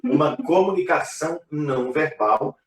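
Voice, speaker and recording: A man, a pastor, talking casually in a church live broadcast, relaxed and conversational with frequent fillers. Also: on the high side, measured pace, distant mic. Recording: echoey room, voice from afar.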